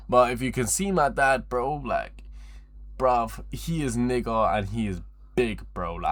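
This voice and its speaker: A twenty-year-old man chatting casually on a livestream in a rambling, slangy, repetitive way, with frequent swearing. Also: mid-range voice. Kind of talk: casual livestream chat to viewers.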